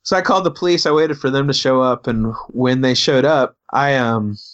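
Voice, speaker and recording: Halting male pastor telling a story. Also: mid-range voice, fairly bright tone, lo-fi sound. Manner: halting, repeats words as he talks. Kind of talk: casual storytelling.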